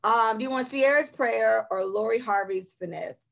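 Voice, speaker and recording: A woman's voice: fairly high pitch, moderate pace, gravelly. A woman with an African American accent hosting a casual chat, blunt and slangy, repeating phrases for emphasis. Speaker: host.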